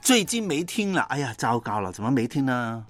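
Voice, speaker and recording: Cantonese-accented male radio host with lively intonation. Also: mid-range voice, a little fast, soft background music. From Guangdong, southern China. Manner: encouraging, asks and echoes back. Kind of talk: conversational phone-in hosting.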